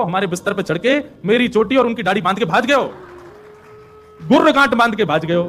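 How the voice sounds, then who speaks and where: A man doing a gossipy village milkmaid in a devotional story, scolding and complaining in a Braj accent. She talks fast and high, over faint music. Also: fairly bright tone. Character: village milkmaid, middle-aged woman, complaining.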